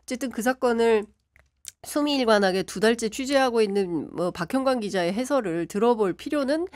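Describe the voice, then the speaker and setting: Brisk female journalist on a panel. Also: fairly high pitch, a little mellow, dry recording, clean studio sound. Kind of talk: political talk show discussion.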